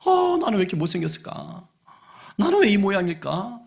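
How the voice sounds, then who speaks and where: A man's voice: on the high side, level tone, moderate pace, gravelly, fairly bright tone. A male pastor voicing a sad, timid young ugly duckling in a storybook tale told during a sermon. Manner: plaintive, wondering.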